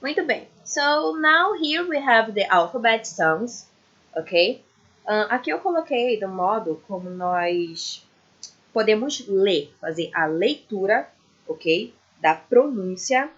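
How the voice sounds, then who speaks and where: A woman's voice: medium pitch, a bit bright. A woman with a Brazilian Portuguese accent, teaching a patient English lesson on letter sounds and checking in with "ok?" often. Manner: patient, repeats letters slowly, says "ok?" often. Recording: dull lo-fi recording.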